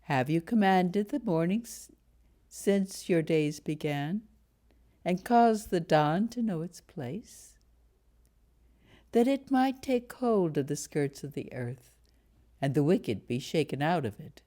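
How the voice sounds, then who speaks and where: A woman reading scripture aloud in a solemn, measured way, as a lay reader in church. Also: on the low side, animated, dark tone.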